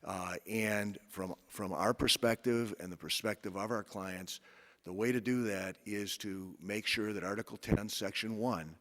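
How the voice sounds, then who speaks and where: A man's voice: fairly low pitch, steady tone, a little slow, a bit bright. A man arguing as amicus counsel before a court, speaking into a podium mic with many fillers and restarts. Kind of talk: courtroom oral argument. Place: large courtroom. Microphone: podium microphone. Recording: long courtroom reverb.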